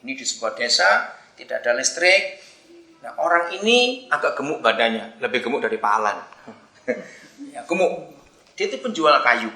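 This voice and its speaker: Animated, bright-voiced male preacher. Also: mid-range voice, moderate pace, pauses often, roomy sound. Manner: animated storytelling, asks the congregation for responses. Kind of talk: sermon.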